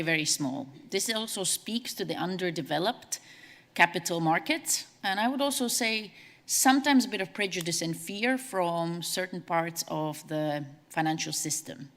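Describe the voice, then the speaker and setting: A woman from Latvia, giving a brisk, conversational conference presentation as a CEO. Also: on the low side. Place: large conference hall. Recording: long hall reverb.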